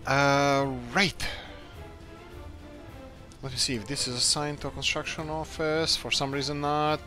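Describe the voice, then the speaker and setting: A man's voice: a little high, little pitch movement, a little slow, sharp tone, faint music behind. A man from Croatia, hosting a let's play and chatting casually while he plays, thinking aloud in an upbeat, rambling way. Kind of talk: casual gameplay commentary.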